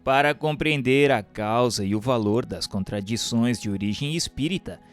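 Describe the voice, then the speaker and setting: A man with a Brazilian accent reading a doctrinal book aloud as a narrator, in a formal, measured, didactic way. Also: mid-range voice, over music. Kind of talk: scripted audiobook narration of a doctrinal text.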